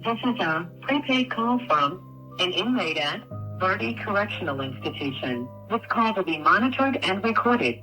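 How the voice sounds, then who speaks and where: A woman's voice: mid-range voice, lively intonation, normal speed, bright, forceful tone, soft background music. A woman's recorded voice gives a formal automated announcement on a prison phone call. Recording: distant tinny prison phone line.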